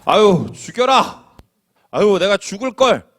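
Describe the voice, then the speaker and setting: A man's voice: high voice, big pitch swings, a little slow, dry recording, pitched above the performer's own voice, heavily acted. A pastor voicing a despairing man who wails and complains that he would rather die. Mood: whining. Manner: wailing, exasperated.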